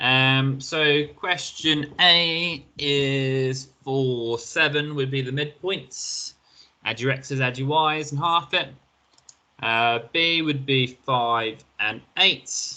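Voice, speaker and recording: In an English accent, a man with a fairly high pitch and a bright, sharp tone speaks very slowly with fairly even intonation. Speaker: maths teacher. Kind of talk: recorded online lesson. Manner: hesitant, many ums and uhs.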